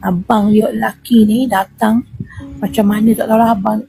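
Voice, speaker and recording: A woman's voice: medium pitch, moderate pace, creaky, slightly rough, no room sound, faint music behind. Woman with Terengganu Malay accent telling a ghost story. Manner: animated, acts out sounds and quotes. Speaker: guest recounting a spirit healing. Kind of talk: casual storytelling of a true horror experience.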